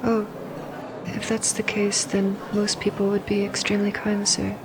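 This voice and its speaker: A woman's voice: mid-range voice, monotone, normal speed, noisy background, natural voice. A woman voicing a timid, deferential young servant who speaks hesitantly and very politely. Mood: meek.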